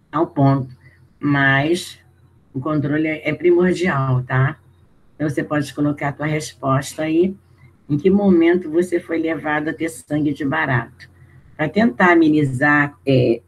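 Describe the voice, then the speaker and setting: A man with a Brazilian Portuguese accent teaching an online video lesson. He talks in a conversational way, reads exercise prompts aloud, thinks out loud and keeps checking in with his students. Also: on the high side, slightly rough, poor audio. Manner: conversational, checking in with students through tag questions.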